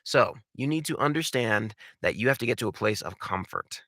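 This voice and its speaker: A man's voice: medium pitch, expressive, moderate pace, pushed and bright, no echo, studio quality. A man giving an instructional talk as a voice acting coach, emphatic and theatrical, repeating key words, with informal conversational asides. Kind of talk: instructional talk with numbered tips.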